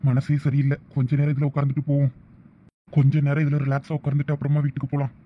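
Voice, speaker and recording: A man voicing a high-voiced grumbling cartoon husband with a Thoothukudi accent. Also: completely flat delivery, racing, heavy background noise, natural voice. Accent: Thoothukudi Tamil. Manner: grumbling asides, earnest. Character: devoted young husband, anxious and grumbling. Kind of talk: cartoon voice acting. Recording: dull lo-fi audio.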